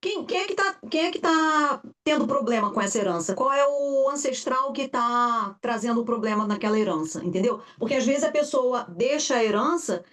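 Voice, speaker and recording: A woman facilitator giving an informal teaching talk, animated and full of fillers, often acting out her clients' voices. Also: on the high side, normal speed, few pauses. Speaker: family constellation facilitator. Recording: voice distant from the mic.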